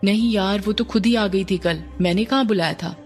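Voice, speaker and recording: A woman's voice: medium pitch, normal speed, darkish tone, soft background music, natural voice. A woman voicing a hesitant young man who answers his friends reluctantly.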